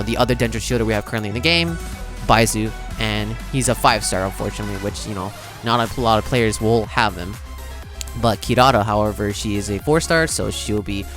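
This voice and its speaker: A man giving casual, conversational reaction commentary as a video host, explaining things with frequent asides. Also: mid-range voice. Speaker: video host reacting to game character preview. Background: background music.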